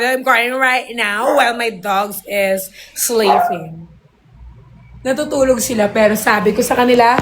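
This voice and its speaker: High, bright-voiced gushing woman streamer. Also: a little hiss or hum. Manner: excitable, gushing thanks for gifts; mixes English into her talk. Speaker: live streamer. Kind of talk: casual livestream chat.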